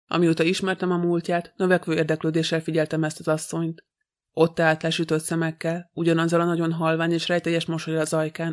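A man reading a novel aloud as a narrator, in a very flat, even delivery. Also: a little high. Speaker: audiobook narrator. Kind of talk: scripted narration.

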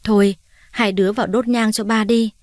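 A woman's voice: mid-range voice, fairly even intonation, moderate pace, darkish tone, no room sound, studio quality, natural voice. A woman voicing an old grey-haired mother, speaking in a choked, emotional way.

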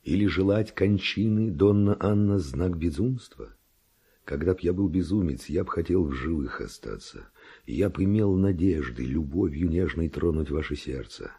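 An actor playing an ardent, reckless nobleman seducer in a classic radio play, declaiming verse theatrically with a gravelly, husky voice. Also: low voice, normal speed, dark tone, heavily acted. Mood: passionate pleading.

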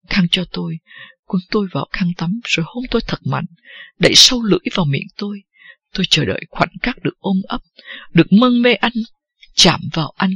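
An audiobook narrator reading a first-person novel at a steady, unhurried pace. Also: mid-range voice, husky, dry recording, dull audio.

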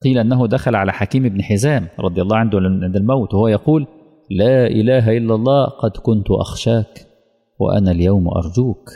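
A man preaching a sermon with an Egyptian Arabic accent, emotional and emphatic, slowing down and dropping to hushed tones. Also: fairly low pitch. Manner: emotional, slow emphatic preaching that drops to near-whispers. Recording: long hall reverb.

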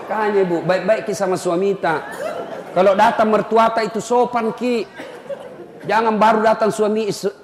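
Man preaching, high voice, animated and teasing, long hall reverb, faint background noise. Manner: animated, teasing, shouts his points. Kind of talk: humorous sermon to a crowd. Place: large echoey hall with audience.

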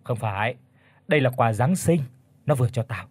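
A man voicing a gentle, sad teenage schoolgirl in a story reading, soft and hesitant, with a husky voice. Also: mid-range voice, expressive, moderate pace, no echo, lightly acted.

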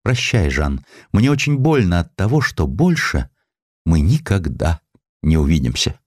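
A man's voice: sits low, very animated, measured pace, no echo, clean studio sound, heavily acted. Man reading as a proud, declamatory opera diva. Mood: wounded, resolute. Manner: declamatory, theatrical. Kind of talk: audiobook character acting.

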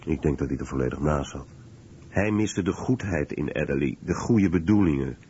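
A man reading a scripted documentary voice-over in a measured, serious way. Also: extremely low pitch, expressive, warm tone, muffled recording, slight background noise.

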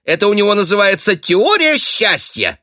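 A man voicing a shrill, furious wife who screeches accusations at her husband in an audiobook. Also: big pitch swings, normal speed, bright, forceful tone, dry recording, clean studio sound, full character voice. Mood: bitter, accusing. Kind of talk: audiobook character voice.

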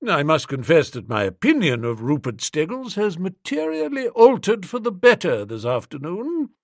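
A man's voice: high voice, wildly swooping pitch, normal speed, no echo, clean studio sound, voice pushed up, exaggerated voice. A man playing a jovial, pompous elderly vicar who speaks in effusive, long-winded phrases.

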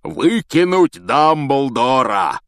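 A man voicing a huge, hot-tempered shaggy gamekeeper with a hoarse, bellowing voice. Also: medium pitch, very animated, very slow, dry recording, studio quality, pitched above the performer's own voice. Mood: raging. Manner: roaring, bellowing.

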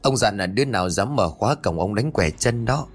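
A man's voice: on the low side, animated, a little fast. A man voicing a frightened young male servant. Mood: scared. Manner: fearful, hesitant.

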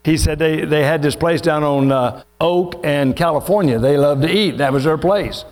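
A man preaches to his congregation in a folksy, joking way. His voice sits high for a man, and he stretches out the scripture readings. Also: normal speed. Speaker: pastor. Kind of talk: sermon.

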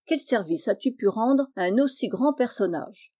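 A woman's voice: fairly high pitch, animated, moderate pace, mellow. A woman voicing a blunt older male farmer in a storybook reading, speaking frankly and plainly.

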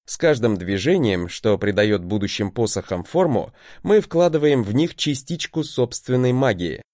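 Man, audiobook narrator, wry first-person telling, animated pitch, dry close sound. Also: moderate pace, no room sound. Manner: wry, conversational.

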